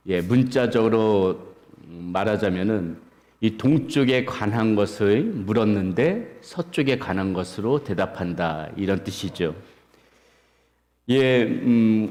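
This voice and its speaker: A man with a low voice preaches from the pulpit and tells light anecdotes at an easy pace. His words ring out with the long reverb of a church sanctuary. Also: darkish tone. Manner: storytelling with humorous anecdotes, unhurried. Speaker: pastor. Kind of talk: sermon.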